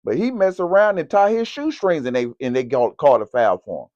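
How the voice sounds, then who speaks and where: An animated man delivering slangy sports takes on a vlog, his voice sitting a bit high and swinging widely in pitch. The recording sounds dull and lo-fi in a dry, close space. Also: fairly quick, no room sound. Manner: animated, slangy, talks straight to camera. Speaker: sports vlogger. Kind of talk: casual sports commentary.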